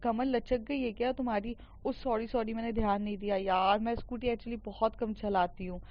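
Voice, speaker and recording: A woman narrator puts on a caring young woman friend who fusses over her companion and keeps coaxing her to talk, dropping in English phrases. The voice sits at a middle pitch, and the storybook recording sounds dull and lo-fi. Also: moderate pace, close to an everyday voice. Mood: worried, fussing. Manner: fussing, coaxing, mixing in English.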